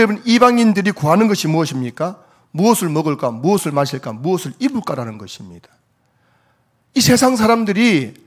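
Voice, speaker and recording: A middle-aged man preaching a sermon as pastor, in an animated, emphatic delivery. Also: sits high.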